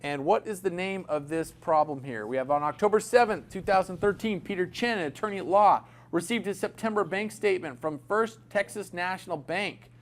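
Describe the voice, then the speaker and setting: A male instructor lectures an accounting class in a classroom, his voice sitting a little high for a man. He keeps it loose and chatty, cracking small jokes and tossing questions out to the students. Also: fairly quick, few pauses.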